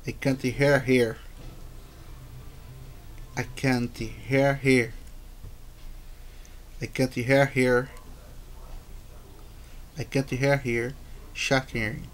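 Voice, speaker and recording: A man with a Brazilian accent, a native Portuguese speaker, haltingly reading aloud as an English learner and repeating words and phrases. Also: mid-range voice, level tone. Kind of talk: halting read-aloud pronunciation practice.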